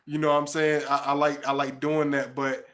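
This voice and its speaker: A man's voice: a little high, flat delivery, fairly quick, a bit bright. A man, talking to viewers in a rambling way with many restarts and "you know what I'm saying". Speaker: channel host. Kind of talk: casual monologue to viewers.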